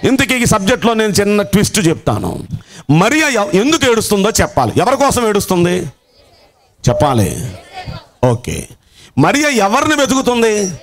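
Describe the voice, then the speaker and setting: A male pastor delivers an Easter sermon with a high, very animated voice that leaps up and down. He keeps throwing rhetorical questions at the congregation seated in front of him. His voice swings dramatically whenever he quotes a figure from scripture. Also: normal speed, long pauses. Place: church before a seated congregation.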